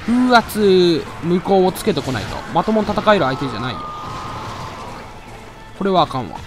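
A man giving excitable live gameplay commentary, loudly taunting and grumbling at the monster he is fighting. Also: high-pitched, moderate pace. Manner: excitable, trash-talks the monster with rough taunts. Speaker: let's play commentator. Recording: loud game music behind voice. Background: game music.

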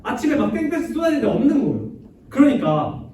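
A young male youth pastor gives a playful, chatty sermon full of jokes. His voice is very high for a man. The sound is heavily echoey, caught from a distance with faint noise in the background. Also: big pitch swings, fast talker, dark tone. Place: church sanctuary.

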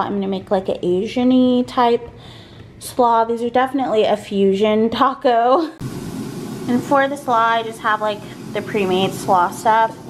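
A woman in her thirties chatting casually to camera from her living room, candid and talkative, with soft laughs now and then. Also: fairly high pitch, slight background noise. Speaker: vlogger. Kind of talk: casual vlog chat. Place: living room at home, seated on a couch. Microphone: camera in front, close framing.

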